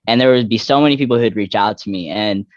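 A man's voice: on the low side, fast talker, no echo, dull audio. A young trans man in his twenties, a guest in a candid interview, talking reflectively with frequent fillers and restarts. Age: young adult.

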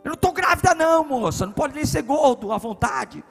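A man voicing an offended overweight woman who snaps back indignantly in a high voice. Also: expressive, creaky, a bit bright, faint music behind, full character voice. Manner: shrill, fast indignant retort.

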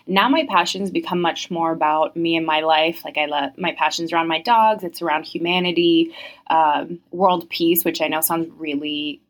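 A woman's voice: sits low, fairly even intonation, normal speed. A young woman from France who grew up in the United States, answering interview questions in a chatty, reflective way with many fillers.

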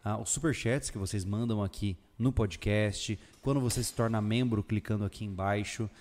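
A man hosting a casual podcast, relaxed and joking, recorded in a bare new house whose room still echoes. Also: on the low side, normal speed, slight background noise. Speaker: podcast host. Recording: long echo from a bare room.

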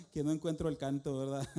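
A middle-aged man preaches in a church with a fairly high but mellow, dark-toned voice. He talks in a folksy, joking way and keeps calling his listeners "brother.". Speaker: traveling worship singer and preacher. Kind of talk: sermon.

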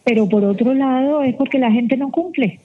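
A woman from Colombia gives firm, practical advice over a tinny phone line. Her voice sits somewhat high, and it comes through thin and narrow like a phone call. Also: moderate pace. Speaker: guest, event organizer.

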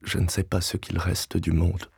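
An actor playing an obsessive, vengeful widower in a French audio-drama monologue, solemn, grandiloquent and deliberate, often sinking into breathy whispers. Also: male voice, low voice, monotone, a little mellow, no echo, exaggerated voice. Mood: solemn, grieving. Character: obsessive, vengeful widower, grandiloquent, haunted by his lost wife. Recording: binaural recording with music.

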